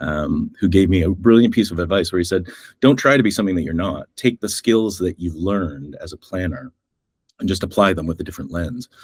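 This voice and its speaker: A man with a North American accent speaks at a fairly quick pace with a very deep, low pitch and ordinary pitch variation. His voice is somewhat breathy on a very clean recording with a silent background. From Canada. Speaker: advertising agency executive. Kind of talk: interview talk. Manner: casual, with frequent fillers.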